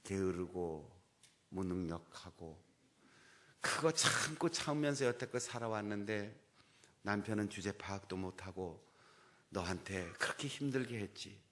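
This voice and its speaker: A man's voice: fairly low pitch, animated, unhurried, a bit bright. A man preaching a sermon as a pastor, telling a story and acting out the quoted dialogue.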